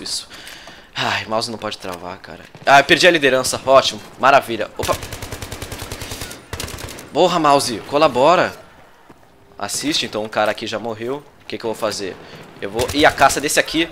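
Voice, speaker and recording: A man's voice: mid-range voice, a little hiss or hum. A young Brazilian man giving nervous live commentary over his own gameplay, swearing at the game and bursting out in yelps when things happen. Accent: Brazilian Portuguese. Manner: excitable, swears at the game, frequent outbursts. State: nervous and sweating. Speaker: gaming youtuber.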